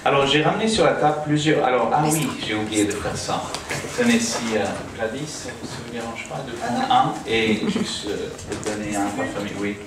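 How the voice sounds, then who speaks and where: Recorded by a distant camera in an echoey living room that serves as a home church, an American man talks informally to the small gathering through a small PA. His mid-range voice moves at a normal speed with few pauses, though he's hesitant, with many fillers and restarts. Noise is audible.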